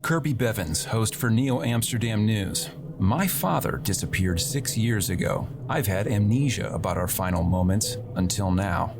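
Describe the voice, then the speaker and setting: A man's voice: lowish voice, expressive, moderate pace, background noise. A man playing a wry, cynical radio news host delivering a comedic monologue in an audio drama. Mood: deadpan, wry. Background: music.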